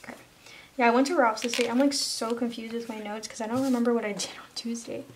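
A young woman, a planner vlogger, chatting casually as she narrates her week, now and then dropping into soft whispers. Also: a little high, steady tone, fast. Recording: background noise.

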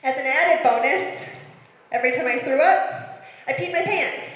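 A woman in her thirties doing a stand-up comedy set on a club stage, with a deadpan, self-mocking way of telling stories into a handheld mic. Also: sits high, normal speed. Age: 30s. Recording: echoey club room with long reverb.

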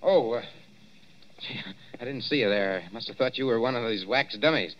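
An actor playing a brash young American male newspaper reporter, brisk and pushy, in a 1940s radio drama on a dull old recording. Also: medium pitch, close to an everyday voice.

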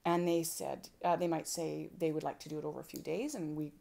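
A woman with a somewhat low voice leads an informal teaching session for a group of homeschooling parents. She talks in a lively, conversational way and slips into short play-acted exchanges between parent and child. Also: brisk, vocal fry. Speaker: homeschooling workshop presenter.

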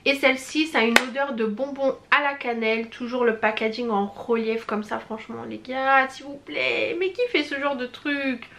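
Young female vlogger, slightly high voice, chatty and effusive, casual review tone. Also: fairly even intonation, moderate pace, gravelly, hardly any pauses, heavy background noise. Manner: chatty and gushing, many hesitations and slang. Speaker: beauty vlogger. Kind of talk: casual product review chat.

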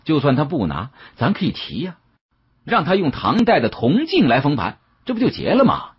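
A man's voice: fairly high pitch, huge pitch swings, normal speed, breathy edge, highs cut off, voice pushed up, exaggerated voice. A man voicing a mouthy, needling joker from with chatty, teasing patter in an audiobook. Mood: coaxing.

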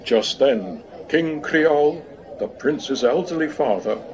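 A man's voice: a little high, animated, slow, highs cut off, crowd noise, noisy background. A man narrating a scripted comic pantomime story, recorded remotely.

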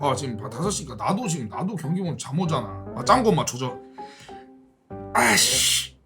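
A man live-streaming a football watch-along, blunt and excitable, yelling and swearing at the plays. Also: a little high, moderate pace, over music. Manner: excitable, shouts and yells at plays.

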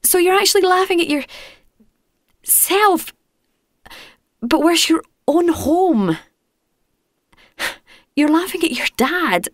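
A woman's voice: very high-pitched, animated, slow, pauses often, no echo, clean studio sound, voice pushed up, full character voice. A woman playing an earnest, indignant grown-up daughter in a dramatic monologue. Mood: indignant, upset.

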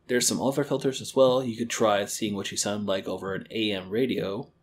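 A man teaching a screen-recorded lesson on a quality desk microphone, calmly explaining audio editing and wave theory step by step. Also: on the low side, fairly quick. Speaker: library educator.

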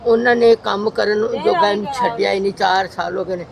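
A woman's voice: mid-range voice, fairly even intonation, fast, creaky, crowd noise. An older woman, a grandmother, speaking in a pleading, tearful way.

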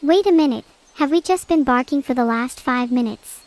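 Deadpan high-pitched AI girl voice. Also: moderate pace. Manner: deadpan, matter-of-fact quips. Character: female AI vtuber, dry and teasing. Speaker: AI streamer co-host. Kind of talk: casual stream chat.

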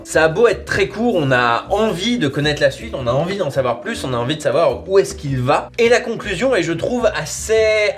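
Lively higher-voiced young Frenchman. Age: young adult. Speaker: host reviewing audio dramas. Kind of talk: casual review to camera. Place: wood-panelled bar room, indoors.

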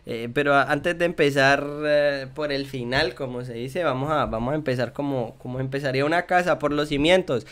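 A young man with a Colombian Spanish accent hosts a casual interview over a video call from a small room at home, wearing a headset. His medium-pitched, slightly bright voice is brisk with few pauses, and he's chatty, often repeating words while searching for them.

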